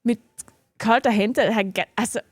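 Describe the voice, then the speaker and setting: A woman's voice: a little high, fairly even intonation, a little slow, husky, dry recording. A young woman with a regional German dialect, chatting casually and giggling often while streaming a game from her home office. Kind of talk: casual live-stream chat while gaming.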